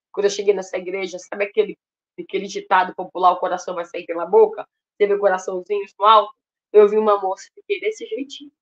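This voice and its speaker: A woman's voice: mid-range voice, highs cut off. Brazilian woman telling her conversion testimony. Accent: Brazilian Portuguese. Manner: emotional, addresses listeners directly as "gente". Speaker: testimony speaker at a ministry. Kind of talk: personal testimony, storytelling.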